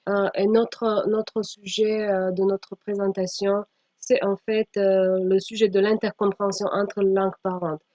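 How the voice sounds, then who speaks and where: A woman giving a slide presentation as a teacher trainer, speaking haltingly with frequent pauses and sometimes reading aloud. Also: mid-range voice, level tone, warm tone. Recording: dull, echoey room sound.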